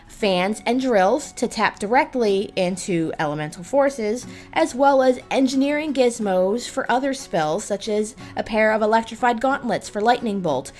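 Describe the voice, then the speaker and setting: A woman host narrating a scripted explainer in the style of a video game guide. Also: a little high.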